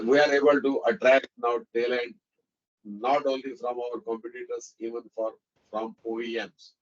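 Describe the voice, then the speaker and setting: A man with an Indian accent speaking as a company executive on a conference call, explaining business in a halting, emphatic way with repeated words. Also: medium pitch. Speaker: company executive answering analysts on an earnings call. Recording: dull, band-limited conference call audio.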